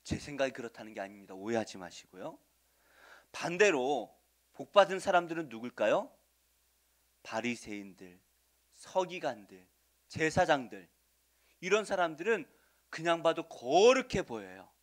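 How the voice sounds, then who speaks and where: Brief: male pastor preaching in a church, slightly raised pitch, keeps asking the pews questions, dynamic shifts from loud to quiet. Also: sing-song, normal speed, pauses often. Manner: asks the congregation questions and answers them; swings between loud stresses and soft asides. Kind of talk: Sunday sermon. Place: church sanctuary.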